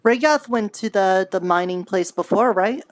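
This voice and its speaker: A woman's voice: mid-range voice, moderate pace, natural voice. A woman playing an eager, helpful fantasy companion in improvised roleplay, talking in short, simple phrases. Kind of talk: improvised virtual-world roleplay.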